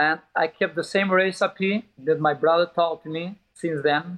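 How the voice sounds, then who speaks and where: Here a man speaks in a high voice. His intonation stays fairly even. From Albania, raised in Italy (Bari area). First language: Albanian. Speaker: pizzeria owner. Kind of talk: interview. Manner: frequent 'you know' filler.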